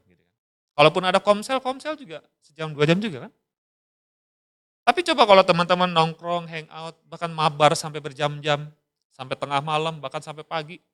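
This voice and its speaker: Lively high-voiced man preaching to youth. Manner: lively and casual, slangy, acts out quoted voices. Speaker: youth pastor. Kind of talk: sermon.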